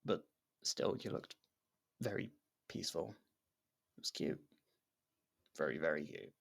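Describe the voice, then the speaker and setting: A man's voice: very deep voice, unhurried, creaky, exaggerated voice. A man acting a nervous, awkward, secretly obsessive young lover in an intimate ASMR roleplay, stammering and backtracking as he talks. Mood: flustered, defensive, then soft, tender. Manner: stammering, hesitant, self-conscious, backtracking. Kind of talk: ASMR roleplay, intimate one-sided dialogue.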